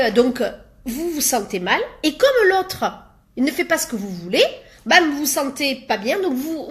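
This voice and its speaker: Coach lady talking to camera, kinda high voice, lots of euh and ben, chatty. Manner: chatty, many fillers, acts out little quoted exchanges. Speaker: life coach. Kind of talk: casual motivational talk to camera.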